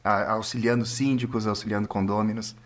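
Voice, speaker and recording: A man from Brazil speaks as a guest in a relaxed podcast interview. His voice sits fairly low, and he answers in an easy, agreeable way, often affirming what the host says. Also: a little fast. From southern Brazil. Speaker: guest, condominium administrator. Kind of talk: casual interview chat.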